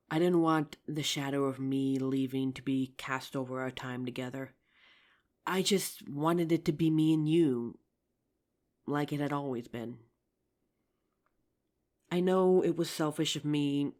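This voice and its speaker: A performer playing a regretful, tender zombie apocalypse survivor in an intimate audio roleplay, speaking earnestly with hesitant pauses. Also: mid-range voice, a little mellow, natural voice. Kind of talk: ASMR audio roleplay, intimate scripted drama.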